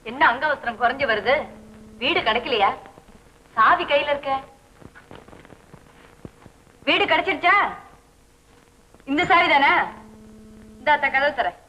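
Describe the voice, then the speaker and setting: An actress playing a sensible young woman in an old film, patiently coaxing and gently teasing. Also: high-pitched, moderate pace, pauses often, poor audio. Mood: worried. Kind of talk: 1960s Tamil film acting.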